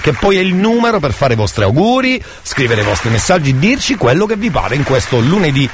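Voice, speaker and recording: A man's voice: on the high side, big pitch swings, brisk, noisy background. A man hosting live radio chat in an emphatic, theatrical, playfully indignant way. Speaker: radio host. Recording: loud music bed under voice. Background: loud music.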